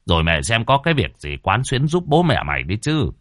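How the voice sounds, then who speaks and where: A man voicing a stern older clansman who lectures a younger man gruffly. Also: lowish voice, very animated, a little fast, fairly bright tone, no echo, studio quality. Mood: lecturing.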